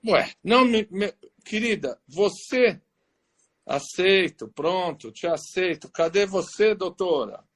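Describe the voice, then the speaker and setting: A man's voice: high-pitched, animated, slow, fairly bright tone. Playful man hosting a live interview. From Greek. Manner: jokey, teasing banter. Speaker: host. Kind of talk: casual live video interview. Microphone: video call.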